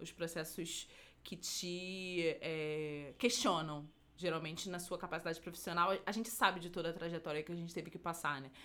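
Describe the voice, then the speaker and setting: The voice is a plain, everyday voice. It moves at a moderate pace. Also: woman. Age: 30s. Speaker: podcast co-host. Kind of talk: casual chat.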